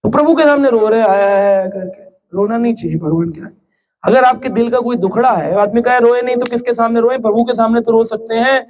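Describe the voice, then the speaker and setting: A man's voice: very high voice, fairly quick, darkish tone. A man giving a devotional lecture as a preacher, joking, asking the audience questions and acting out little scenes in story voices. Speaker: ISKCON preacher. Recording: live lecture with audible audience laughter. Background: audience laughing.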